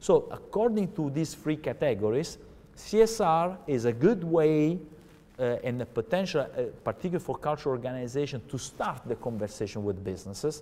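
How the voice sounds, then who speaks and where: With an Italian accent, a man with a fairly high pitch and a dark, mellow tone talks at a fairly quick pace with very wide pitch swings. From Italy. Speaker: professor. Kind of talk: lecture. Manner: halting.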